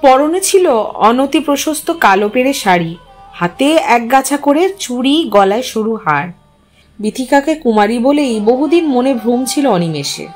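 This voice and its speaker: A woman reading a literary story aloud as an expressive narrator. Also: high-pitched, a little slow, faint music behind.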